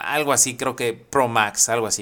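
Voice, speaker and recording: At a fairly slow pace, a man speaks in a bright, sharp tone at medium pitch with ordinary pitch variation, on a very clean recording with a silent background. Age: 20s. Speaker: podcast host. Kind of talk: solo casual monologue. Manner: hesitant with many fillers and repetitions.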